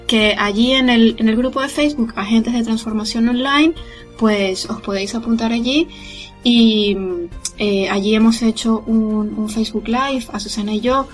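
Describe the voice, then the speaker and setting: Woman w/ a higher voice, lots of ums, chatty recorded message, faint music under it. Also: moderate pace. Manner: warm, hesitant, many fillers. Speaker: podcast group organizer.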